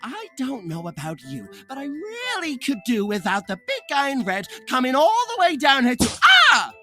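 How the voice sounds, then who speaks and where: A man voicing a small, irritable Christmas elf worker, exasperated and animated, in a cartoon style. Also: extremely high pitch, normal speed, faint music behind, heavily acted. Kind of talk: cartoon character demo.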